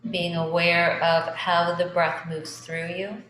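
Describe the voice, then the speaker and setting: A woman teaching yoga, leading a guided meditation in a gentle, unhurried, soothing manner. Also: fairly low pitch, little pitch movement. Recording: echoey reverberant room with music behind.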